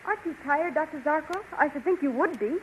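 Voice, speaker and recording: A gentle young heroine. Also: female voice, high-pitched, animated, fast talker, a little hiss or hum. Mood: tired. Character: young woman companion, gentle and polite. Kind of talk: 1930s radio acting. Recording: thin, distant, tinny 1930s radio recording.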